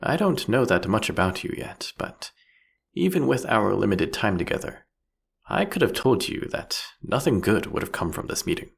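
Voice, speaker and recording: In a fantasy audio roleplay, a man voices a seductive, mocking vampire king with a husky, gravelly, fairly low voice. He goes full character with a sing-song, theatrical, teasing and eloquent delivery at a moderate pace, sounding amused and probing.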